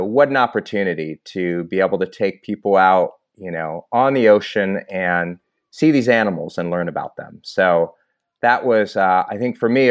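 Easygoing man from New England, lowish voice. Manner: measured, easygoing, with frequent "you know". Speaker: environmental director, guest. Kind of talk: casual podcast interview.

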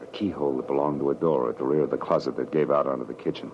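A low-voiced, hard-boiled American private eye in a vintage radio drama. He is wry and terse, narrating and talking in slangy, tough phrases. The old recording is noisy and muffled. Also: steady tone, rapid-fire. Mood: grim, wry. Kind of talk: 1940s radio drama acting, first-person narration.

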